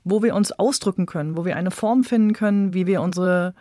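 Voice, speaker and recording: A woman's voice: lowish voice, a little fast, warm tone, no echo. Woman explaining in a dry studio. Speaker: interview guest, radio drama expert. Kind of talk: thoughtful conversation.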